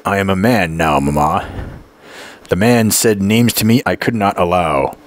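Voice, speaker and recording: Tired quiet young guy, flat subdued talk , man reading him in an audiobook, deep dry voice. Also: unhurried, no echo.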